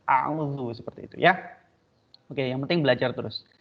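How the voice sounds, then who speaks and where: A man's voice: mid-range voice, fast. Man patiently drilling Arabic sounds, muffled. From Indonesia. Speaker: teacher. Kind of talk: online tajwid lesson. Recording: dull lo-fi recording.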